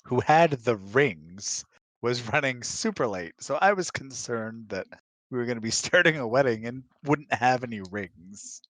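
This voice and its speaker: A man's voice: medium pitch, animated, a little slow, a bit bright, no echo. Joking man in casual chat, dry sound. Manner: joking, teasing. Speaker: host's husband joining as guest.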